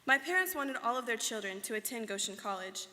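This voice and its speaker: A young adult student actor delivers a rehearsed, staged monologue, earnestly recounting a life in the first person as part of a dramatic reading. Her voice is on the high side, expressive, fairly quick, pushed and bright. It was recorded live in a reverberant hall.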